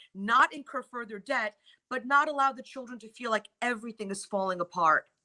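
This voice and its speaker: A woman speaks at a fairly high pitch with ordinary pitch variation and a bright, sharp tone. The sound is dry and close, with no echo. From Poland, then US from age seven. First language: Polish. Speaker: divorce lawyer. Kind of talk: TV interview.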